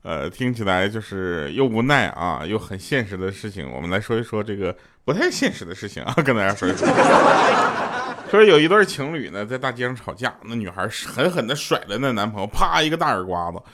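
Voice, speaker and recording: A man's voice: fairly low pitch, big pitch swings, fast talker, few pauses, fairly bright tone, a little hiss or hum. A man telling funny stories in a loose, chatty way, often laughing at his own punchlines. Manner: loose, conversational, many fillers. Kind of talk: chatty comic storytelling.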